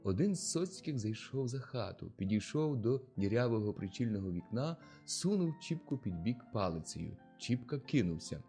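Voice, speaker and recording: A man narrating a classic novel as an audiobook in an expressive, steady storytelling manner. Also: medium pitch, moderate pace, few pauses, faint music behind.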